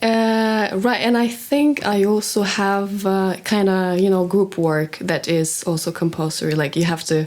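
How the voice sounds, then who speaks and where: A woman's voice: medium pitch, fairly even intonation, measured pace, few pauses, a little mellow. A young woman from Russia, a psychology student, answering interview questions in a chatty, casual way. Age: young adult. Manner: chatty, with fillers like "you know".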